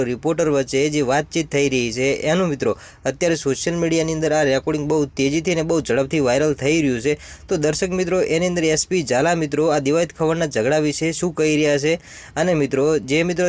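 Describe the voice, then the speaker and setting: A man's voice: on the high side, darkish tone. A man hosting a news channel, addressing viewers and repeating a filler word constantly. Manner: repeats "friends" in almost every phrase. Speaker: channel host. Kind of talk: excited video narration.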